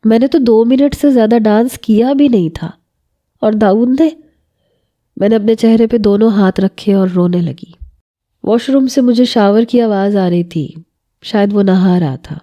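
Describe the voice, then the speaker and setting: A woman telling a first-person romantic story in scripted narration, with a measured, emotional delivery. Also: mid-range voice, mellow.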